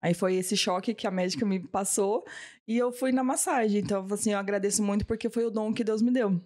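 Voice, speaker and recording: A woman in her thirties speaks in a casual interview, her voice mellow and warm. She is a massage therapist who tells her story with many retold exchanges, acting out the voices. Her pitch sits in the middle. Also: steady tone, brisk. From Brazil. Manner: storytelling, often acting out what she and others said.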